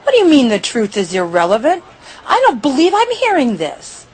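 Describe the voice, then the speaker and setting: A woman playing an indignant, defiant reporter with a husky voice and an emphatic, combative delivery in an audio drama. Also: high-pitched, wildly swooping pitch, moderate pace, darkish tone, a faint crowd, heavily acted. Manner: emphatic, combative, rhetorical questioning. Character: indignant, defiant female news reporter fighting for the truth.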